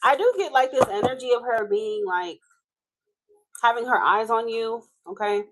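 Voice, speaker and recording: A woman's voice: on the high side, moderate pace, noisy background. Chatty Haitian-accented tarot reader woman. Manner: casual, chatty, swears and laughs often. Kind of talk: live tarot reading.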